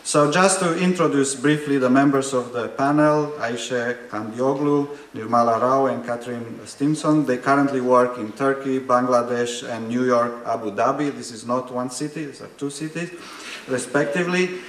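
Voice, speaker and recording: A man from Romania introduces an academic panel from a podium. His voice sits at a middle pitch, and he speaks in a measured, hesitant way with many fillers and touches of dry humor. The sound carries the echo of a large conference hall. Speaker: panel moderator; higher education policy researcher.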